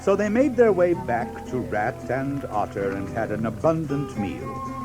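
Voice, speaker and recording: A man's voice: medium pitch, big pitch swings, unhurried, low-quality recording. A man narrating a scripted children's story as a storyteller. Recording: music behind the voice. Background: music.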